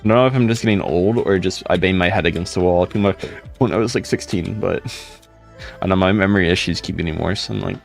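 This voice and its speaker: Young male streamer, deep gravelly voice, laid-back rambling chat, faint music behind. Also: fast talker. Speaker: live streamer. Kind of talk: casual live stream chat, reading comments.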